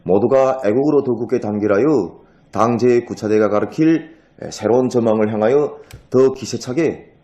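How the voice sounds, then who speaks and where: A man's voice: medium pitch, dark tone. A man with a North Korean accent, a factory official giving a formal, earnest interview statement.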